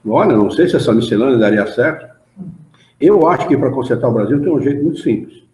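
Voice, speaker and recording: Lively Brazilian man leading a study group. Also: mid-range voice, quick pace. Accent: Brazilian Portuguese. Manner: animated, chatty, asks the group for agreement. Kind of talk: informal study talk and reading aloud. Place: study hall of a spiritist association. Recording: dull echoey room recording.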